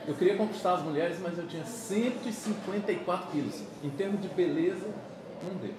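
A man in his fifties from Pernambuco, Brazil, telling stories in a chatty, animated way during an interview, often checking that his listener follows along. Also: sits high, brisk, very echoey, background noise. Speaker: musician guest. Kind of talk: casual interview. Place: small office meeting room. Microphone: camera across the table.

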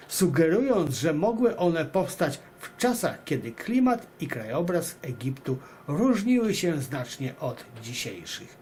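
A man's voice: high voice, a little mellow, slight background noise. A man hosting, reading an article aloud and adding emphatic, rhetorical comments addressed straight to viewers. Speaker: video host and narrator.

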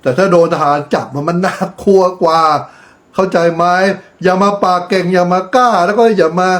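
A man's voice: high-pitched, a little fast, fairly bright tone. A middle-aged man giving casual, profane political commentary on his own channel, blunt and lecturing. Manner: blunt, crude, swears freely; preachy, lecturing advice.

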